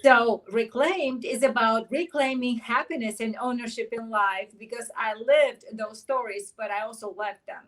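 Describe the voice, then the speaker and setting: A woman's voice: a little high, moderate pace, few pauses, fairly bright tone. Earnest middle-aged woman from Bulgaria. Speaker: author and life coach, guest. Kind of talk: personal storytelling in an interview.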